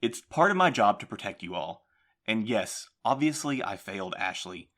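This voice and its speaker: A man's voice: on the low side, sing-song, a bit bright, full character voice. A man playing a guarded, defensive postmaster. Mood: weary. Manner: measured, placating, defensive. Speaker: postmaster in an audio drama.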